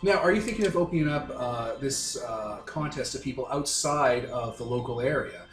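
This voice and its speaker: A man playing a breezy, flattering radio talk-show host who chats indulgently with his guests in a showman's patter. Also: mid-range voice, moderate pace, roomy sound, soft background music, close to an everyday voice. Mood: chatty, flattering. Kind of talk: radio interview role-play.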